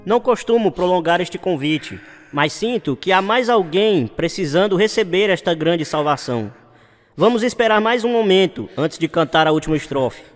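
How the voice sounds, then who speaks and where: High-voiced evangelist in a reverberant hall. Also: male voice, expressive, normal speed, soft background music. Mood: solemn appeal. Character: earnest male evangelist preaching to a crowd through loudspeakers. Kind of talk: evangelistic sermon. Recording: long hall reverb, like loudspeakers.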